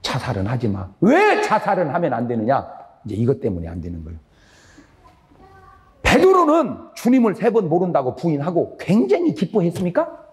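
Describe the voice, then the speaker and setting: A man preaching a revival sermon as pastor, asking the congregation questions and having them answer back, swinging between loud high lines and low drops. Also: huge pitch swings, normal speed. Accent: Korean. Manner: call-and-response questions to the congregation. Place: church sanctuary.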